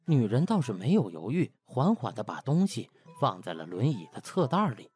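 A man's voice: mid-range voice, wildly swooping pitch, moderate pace, a little mellow, faint music behind. A man narrating a comic web-novel audiobook in a colloquial, dramatic storytelling style.

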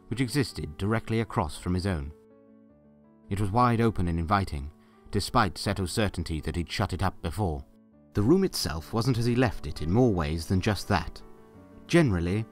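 A man tells the story in a playful storybook manner and drops wry, jokey asides. His voice is somewhat low, but his pitch rises and falls a lot. Soft music plays underneath. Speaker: narrator.

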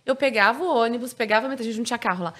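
A woman from Brazil tells stories on a podcast in a loose, chatty way, leaning on filler words. Her voice sits a little high. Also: racing, fairly bright tone. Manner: chatty storytelling with frequent fillers. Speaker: guest. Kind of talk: casual podcast chat.

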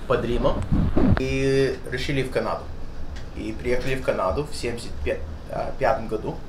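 A man in his thirties, a dental surgeon with an English-speaking Canadian accent, chatting in halting Russian and slipping into English, recorded in a small dental office. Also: medium pitch, reverberant, noisy background. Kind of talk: casual interview.

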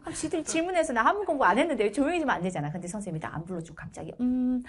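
A woman's voice: fairly high pitch, sing-song, very fast, slight background noise. A woman math teacher telling a funny story to her class during a live lecture, laughing often as she goes.

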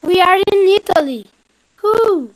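A voice actor doing a bright young boy, Willy. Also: extremely high pitch, lively intonation, slow, no room sound, heavily acted, poor audio. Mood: cheerful. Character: cheerful young boy Willy in textbook dialogue. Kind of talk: scripted textbook audio.

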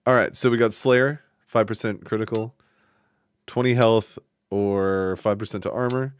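A man's voice: fairly low pitch, steady tone, moderate pace, smooth. A man in his thirties from Washington State who hosts a live gaming stream, chatting loosely with viewers, rambling and swearing freely. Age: 30s. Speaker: streamer, host. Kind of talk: casual live-stream chat while gaming.

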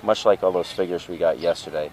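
A man's voice: low voice, quick pace, a crowd in the background. A man filming a casual, rambling walkthrough of his vendor tables at an outdoor street fair on a handheld camera. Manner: chatty, rambling. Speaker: flea market vendor.

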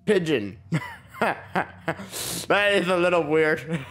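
A man's voice: fairly high pitch, very slow, a bit bright. A young man with a sore throat and slight cough, giving rambling, self-deprecating casual commentary on a game he plays and chuckling often. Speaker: gaming channel host. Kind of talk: casual let's play commentary.

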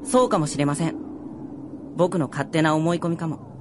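An actor playing a gentle young fallen soldier in a radio drama, speaking politely and earnestly. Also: male voice, on the high side, moderate pace, noisy background, natural voice. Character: gentle, earnest dead young male soldier, now a spirit. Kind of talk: Japanese radio drama acting. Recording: music behind the voice.

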